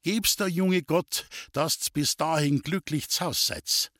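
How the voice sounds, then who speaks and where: A male reader playing an older, crafty wanderer with a Bavarian accent, fawning and confiding, pitched a touch higher. His voice is slightly husky and recorded dry, like a storybook reading. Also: slow pace, a bit bright, no room sound. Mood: wheedling. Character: older wandering man, sly and obsequious.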